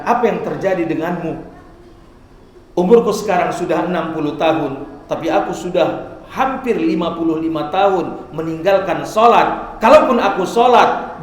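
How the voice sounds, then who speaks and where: High-voiced man preaching in echoey mosque. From Indonesia. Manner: preaching with slow drawn-out Quranic recitation. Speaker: Friday sermon preacher. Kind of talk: Friday sermon.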